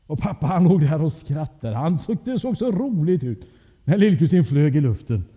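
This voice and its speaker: A male storyteller with a dark, husky voice. He narrates with animated swings of pitch. Long reverb rings out in the hall. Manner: lively, animated.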